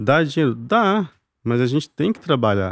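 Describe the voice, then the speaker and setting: A man at a fairly slow pace, in a dry, close sound with no echo and a very clean recording, silent background. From Brazil, countryside. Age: 30s. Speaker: veterinarian. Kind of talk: casual interview.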